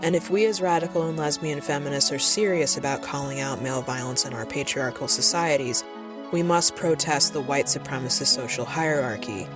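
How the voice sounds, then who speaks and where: Female presenter, scripted political commentary, measured emphatic delivery, music bed behind. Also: a bass voice. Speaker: radio presenter.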